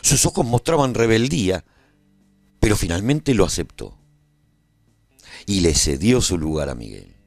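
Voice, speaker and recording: A man playing a humane war survivor who recounts his own story in an expressive, reflective radio drama narration. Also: fairly low pitch, measured pace, pauses often, no echo, faint music behind, exaggerated voice. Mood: firm, narrating.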